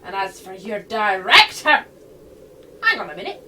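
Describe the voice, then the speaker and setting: A woman playing a bossy, sharp-tongued eccentric in a radio play, switching between scolding and condescending endearments. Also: mid-range voice, big pitch swings, moderate pace, far from the mic, slight background noise. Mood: scornful, scolding.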